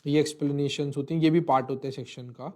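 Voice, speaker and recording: A man's voice: fairly high pitch, steady tone, fast, darkish tone. A man teaching a law lecture, mixing English terms into his talk and often checking in with the listener. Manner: explanatory, repeats phrases and checks with "thik hai"; mixes English legal terms into Hindi. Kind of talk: online lecture walking through a legal text.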